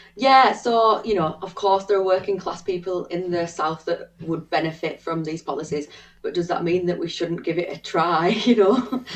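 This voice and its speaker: Hardly pausing, a woman talks in a northern English accent. Her pitch is medium, with ordinary variation. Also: moderate pace. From northern England, Barnsley. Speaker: podcast co-host, political activist. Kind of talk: political discussion.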